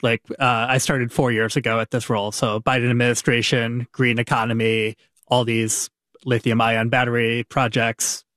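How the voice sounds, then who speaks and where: A male business reporter as a guest on a radio panel. He talks casually and haltingly, restarting sentences and leaning on fillers. His pitch sits in the middle range, and the recording is dry. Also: flat delivery, fairly bright tone, dry recording.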